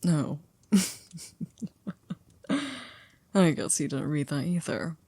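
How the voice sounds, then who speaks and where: A woman playing a composed, formal household servant in an ASMR roleplay, polite and measured with gently wry teasing. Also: low voice, no room sound. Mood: amused, teasing.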